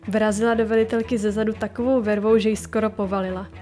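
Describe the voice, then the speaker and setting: A woman narrating a fantasy audiobook in an expressive manner, voicing each character. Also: mid-range voice. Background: music.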